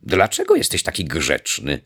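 A man's voice: very deep voice, wildly swooping pitch, moderate pace, husky, exaggerated voice. A man voicing a proud, stern father peacock who scolds his son in a children's story. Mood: scolding. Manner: scolding, shouting.

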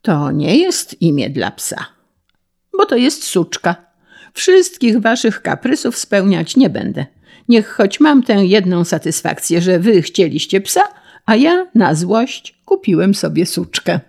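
A woman's voice: mid-range voice, big pitch swings, takes it slowly, vocal fry, darkish tone, full character voice. A woman voicing a harried middle-aged man who pleads and protests, exasperated, against a dog tax in a storybook reading. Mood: defiant.

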